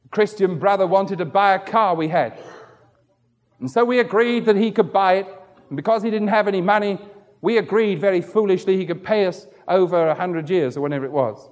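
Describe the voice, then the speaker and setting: A man's voice: a little fast, big-room sound. A middle-aged male pastor preaching a sermon who tells stories and acts out the voices of the people in them. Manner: storytelling, acts out quoted voices with wide pitch swings.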